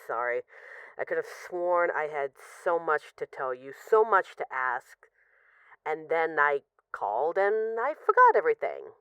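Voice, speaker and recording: A woman's voice: low voice, very animated, a little slow, a bit bright, clear, resonant tone, dry recording, heavily acted, rough recording. A woman playing an affectionate, wry mafia boss who misses her partner, rambling hesitantly through intimate voicemails in an audio roleplay. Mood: wistful, apologetic. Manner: hesitant, sighing, wry, conversational.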